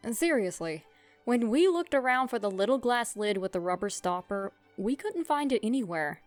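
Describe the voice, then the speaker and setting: A young woman narrating a comic childhood story in a wry, self-mocking, expressive way. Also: fairly high pitch, moderate pace, faint music behind.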